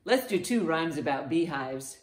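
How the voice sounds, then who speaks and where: A middle-aged woman hosting storytime, reading to children in an expressive, deliberate way from a living room. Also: low voice, slight background noise. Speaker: library storytime host. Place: living room, indoors by a fireplace. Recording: roomy living-room echo.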